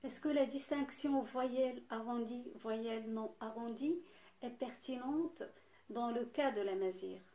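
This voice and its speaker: Woman, university lecturer, slow careful delivery, mellow tone, echoey room. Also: a little high. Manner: slow, deliberate, pausing to list examples. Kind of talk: recorded phonetics lecture.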